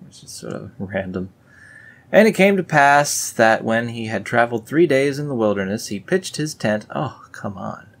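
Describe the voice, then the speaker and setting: A man's voice: mid-range voice, lively intonation, normal speed, vocal fry. A man reading a religious text aloud and breaking off for dry, sarcastic comments in a casual tone. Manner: sarcastic, dry asides after solemn read-aloud passages. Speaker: video host reading scripture aloud. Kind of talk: casual read-along with sarcastic asides.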